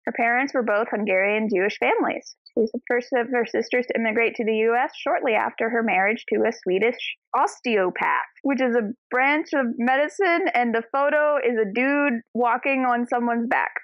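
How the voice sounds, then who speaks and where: Bubbly higher-voiced woman co-hosting. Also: normal speed, hardly any pauses, dry recording. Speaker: podcast co-host. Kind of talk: casual book club chat. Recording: dull lo-fi dry sound.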